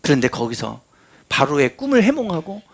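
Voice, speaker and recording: A man's voice: on the high side, sing-song, normal speed, a bit bright, husky. A middle-aged male pastor preaching a sermon, telling the story and acting out the quoted lines.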